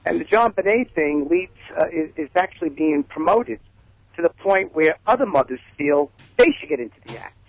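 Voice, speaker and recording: Brooklyn-accented man calling in, higher voice. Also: lively intonation, vocal fry, no room sound. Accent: heavy Brooklyn. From Brooklyn, New York. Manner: halting, hesitant phrasing. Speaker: caller. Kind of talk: opinionated radio call-in talk. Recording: radio call over telephone line.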